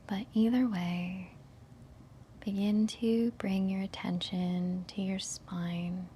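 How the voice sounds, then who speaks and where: A woman leading a guided meditation in a soft, breathy whisper, giving gentle, soothing instructions with long pauses. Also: mid-range voice, flat delivery, a little hiss or hum.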